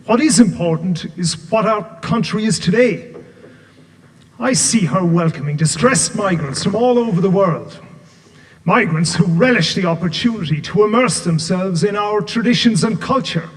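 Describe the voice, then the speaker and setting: A man playing the ghost of a dignified Irish rebel on stage, speaking with measured, solemn earnestness. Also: sits high, natural voice. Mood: earnest. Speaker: stage actor. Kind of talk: amateur stage play. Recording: hall reverb from a stage.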